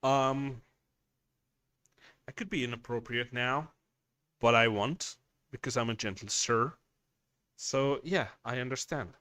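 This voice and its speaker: Bright, crisp-voiced man swearing casually. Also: mid-range voice, slow pace, long pauses, dry recording, clean studio sound. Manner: profane, blunt and rambling. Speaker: livestream host. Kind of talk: casual livestream chat reading viewer messages.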